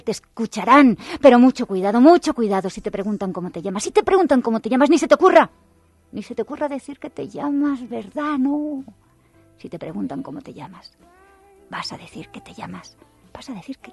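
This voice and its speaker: Lie talks in a raised, slangy, bossy voice that swings between coaxing and loud insistence, a woman playing her in a radio fable. She is a brash female fixer who takes charge. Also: fairly high pitch, pitched above the performer's own voice.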